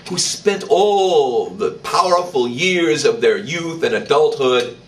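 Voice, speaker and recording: An older man, a priest, preaching a sermon in church, slow and emphatic, with declarations that rise in pitch. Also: a bit bright, distant mic, low-quality recording. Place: church, indoors. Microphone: stand mic in front.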